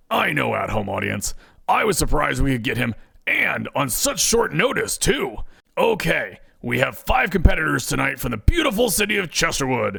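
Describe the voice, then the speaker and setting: At a moderate speed, the speaker puts on a character voice. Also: man. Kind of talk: 1970s game show host. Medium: audio drama. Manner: schmaltzy, crooning, showbiz.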